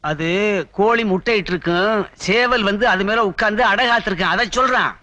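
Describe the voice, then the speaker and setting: A sarcastic village skeptic. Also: male voice, high voice, a little fast, sharp tone, highs cut off. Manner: dry, sarcastic quips. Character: sarcastic male skeptic in a crowd. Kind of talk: 1980s film comedy acting.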